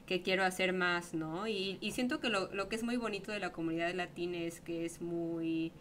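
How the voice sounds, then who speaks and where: A young woman hosting a casual livestream interview over a headset at home, chatty and quick to laugh. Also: lowish voice, fairly even intonation, fairly bright tone, slight background noise. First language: Spanish. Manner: chatty, laughs often, many fillers like "¿no?". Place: small room at home.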